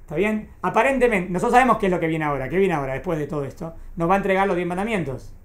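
A woman's voice: on the low side, expressive, racing. Woman teacher in an echoey classroom. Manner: explains patiently, keeps checking if students follow. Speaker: Torah teacher. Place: classroom with a small group.

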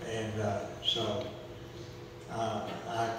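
A man's voice: on the low side, flat delivery, very slow, noisy background. A middle-aged man leading a church Bible study, quoting scripture and prompting the group with questions. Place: church fellowship hall. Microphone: far camera. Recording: echoey hall from far off.

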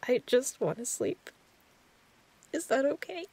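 A woman playing a distraught, apologetic woman seeking comfort at night, crying and speaking softly and haltingly in an intimate audio roleplay. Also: high-pitched, sing-song, husky, heavily acted. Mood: quiet, weary. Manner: halting, apologetic, soft-spoken. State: crying, upset.

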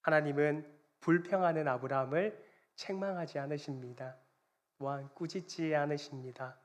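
A male pastor delivers a sermon in a fairly high-pitched voice. He builds to loud, emphatic peaks, then drops to quiet phrase endings, and he calls the congregation to read along. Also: normal speed. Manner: dramatic swings between loud emphatic lines and quiet endings; leads the congregation in responsive reading.

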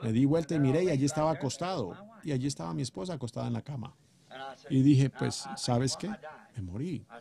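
A man preaching a sermon in an earnest way, swinging between loud calls and hushed telling. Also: medium pitch, fast, vocal fry, crowd noise.

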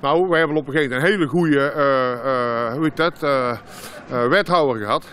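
A man's voice: mid-range voice, fairly quick, fairly bright tone. Older man, broad Brabant Dutch accent. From Brabant, Netherlands. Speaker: market passer-by being interviewed. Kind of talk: casual street chat. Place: outdoor market street. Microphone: handheld interview microphone. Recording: outdoor street with faint noise.

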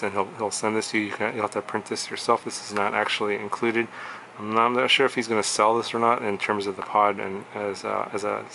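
Low, flat-voiced man reviewing a build. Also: slight background noise. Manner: relaxed, rambling with many fillers and restarts. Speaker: drone review host. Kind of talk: casual hands-on product review. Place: indoor workshop desk.

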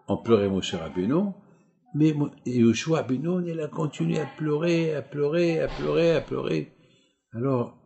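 Rabbi guy preaching, dark mellow voice, keeps repeating and asking where's the problem. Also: mid-range voice. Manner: repetitive, emphatic rhetorical questions. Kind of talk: sermon.

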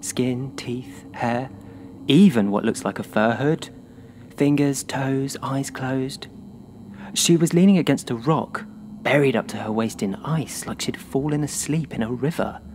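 An earnest, gentle male scientist played by an actor in an audio drama set at a polar lab. His delivery is natural and unforced. There is clear noise behind the voice. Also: medium pitch, a little slow, close to an everyday voice. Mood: quiet wonder.

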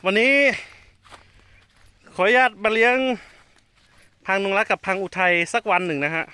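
Bright chatty man outdoors. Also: high voice, moderate pace, clean tone. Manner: chatty, addresses viewers, calls animals loudly. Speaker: elephant keeper and channel host. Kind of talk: casual outdoor vlog narration.

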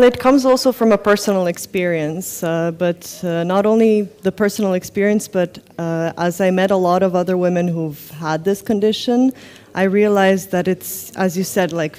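A woman's voice: mid-range voice, steady tone, normal speed, darkish tone, smooth. A young woman director from Croatia answering interview questions thoughtfully, with many fillers. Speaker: film director. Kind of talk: festival interview. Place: festival lounge set, indoors.

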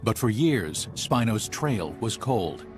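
A man's voice: on the low side, very animated, takes it slowly. A man narrating a nature documentary in a scripted, dramatic and emphatic style. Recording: music under the voice. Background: dramatic background music.

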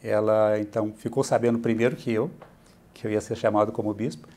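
A man's voice: lowish voice, brisk. A middle-aged man with a Brazilian accent, a church bishop patiently explaining things as an interview guest, often adding "né". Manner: steady, explanatory, adds "né" often. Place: bright furnished room, indoors.

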